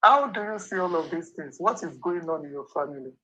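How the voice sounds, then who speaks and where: A man asking measured, probing questions as an interviewer. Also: on the high side, lively intonation, sharp tone, rough recording.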